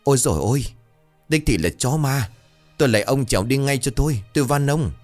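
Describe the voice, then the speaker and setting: A man's voice: animated, fairly quick, soft background music, close to an everyday voice. A man putting on a terrified old village wife. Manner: shrill, begging, panicky.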